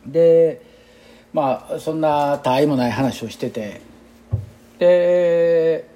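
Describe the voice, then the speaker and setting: This is a man in his sixties who speaks with a Kansai accent, an exercise instructor musing aloud in a loose, chatty monologue. His voice sits a little high for a man. It has a soft, mellow color. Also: slow pace. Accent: Kansai Japanese. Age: 60s. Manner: rambling, chatty and reflective. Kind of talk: casual spoken monologue.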